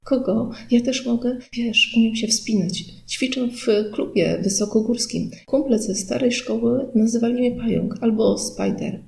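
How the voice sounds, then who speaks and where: A woman's voice: a little high, unhurried, gravelly, hardly any pauses. A woman reading an audiobook voices a curious, cheeky schoolboy who banters and teases. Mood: teasing. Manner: cheeky, bantering, loud when teasing. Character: lively teasing schoolboy, curious and bored.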